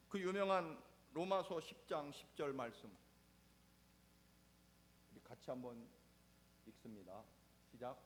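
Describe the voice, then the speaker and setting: Emphatic Korean pastor with Chungcheong accent. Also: male voice, slight background noise. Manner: dramatic swings between loud emphatic lines and soft low endings. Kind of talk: sermon.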